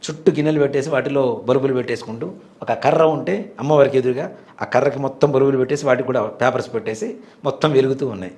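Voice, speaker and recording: Fast-talking man, earnest devout storyteller. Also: medium pitch, a little mellow. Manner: earnest, devout, vivid retelling. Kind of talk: interview storytelling.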